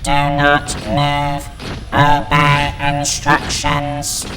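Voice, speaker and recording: A man playing a cold, emotionless cyborg soldier in a sci-fi audio drama, giving commands in a clipped monotone through a robotic voice filter. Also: a little high, extremely slow, background noise. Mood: cold, commanding.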